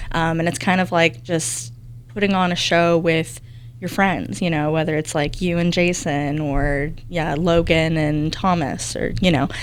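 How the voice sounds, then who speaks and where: Woman with an American accent and a very deep, low pitch, ordinary pitch variation, and a fairly slow pace, with audible room echo. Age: young. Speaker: TV news reporter. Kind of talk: casual interview chat. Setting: studio.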